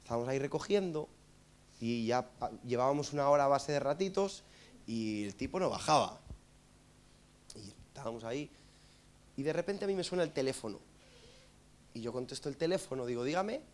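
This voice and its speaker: A man with a Madrid accent preaching through a funny story, animated and joking, asking listeners for amens. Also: mid-range voice, fairly quick, long pauses. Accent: Madrid Spanish. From Spain. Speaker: preacher and musician. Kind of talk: humorous storytelling sermon.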